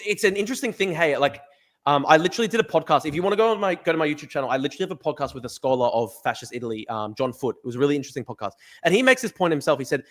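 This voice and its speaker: An Australian man hosting a live-stream podcast, talking rapidly and emphatically with lots of fillers and restarts. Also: mid-range voice. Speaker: podcast host. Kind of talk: live stream chat, reading viewer comments.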